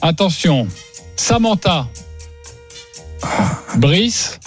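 A man's voice: on the high side, sing-song, extremely slow, soft background music. A man hosting a radio quiz in a studio, playful and teasing as he reads the clues. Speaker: radio show host.

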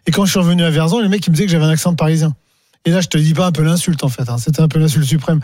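Guy from central france, high voice, talks fast, storytelling, dry mic. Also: darkish tone, no room sound. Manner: loose, anecdotal. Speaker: panelist. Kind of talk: casual studio chat.

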